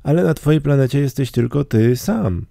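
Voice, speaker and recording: A man's voice: medium pitch, expressive, normal speed, gravelly, dark tone, no room sound, studio quality, voice pushed up. A man voicing a vain, self-admiring grown man in a storybook reading, pompous and self-satisfied.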